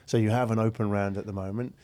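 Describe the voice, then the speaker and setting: Low-pitched man hosting an interview. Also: fairly even intonation, fast talker, a little mellow. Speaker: podcast host interviewer. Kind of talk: conversational business interview. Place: podcast studio.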